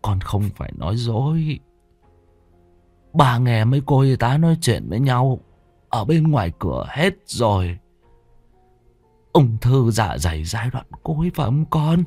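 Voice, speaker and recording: A man voicing a frail, sick old father who speaks slowly with a trembling, pleading voice. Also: mid-range voice, big pitch swings, darkish tone, slightly rough, no echo, faint music behind, heavily acted. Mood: sorrowful. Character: frail disabled old father, gravely ill and resigned.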